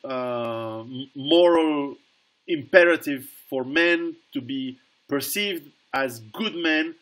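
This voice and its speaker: Husky middle-aged man on a video call. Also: medium pitch, bright, forceful tone, rough recording. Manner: earnest, with many restarts and repeated words. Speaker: guest author. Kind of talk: casual interview over video call.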